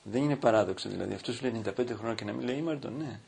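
A man preaching as a priest, reading from a book and stopping to comment, with slow, drawn-out emphasis. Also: mid-range voice, creaky, darkish tone, slightly rough. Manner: reads aloud from a book, breaking off to comment. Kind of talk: sermon.

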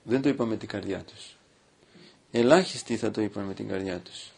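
Male priest, sermon delivery, gravelly voice, reads and comments with emphatic pauses. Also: lowish voice, darkish tone. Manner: reads aloud from a book, breaking off to comment.

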